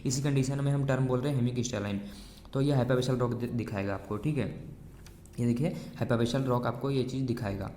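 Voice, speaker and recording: A man's voice: medium pitch, fairly even intonation, brisk, warm tone, slight background noise. A male teacher giving an exam-prep lecture, explaining patiently, repeating key points and mixing in English terms. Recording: roomy echo.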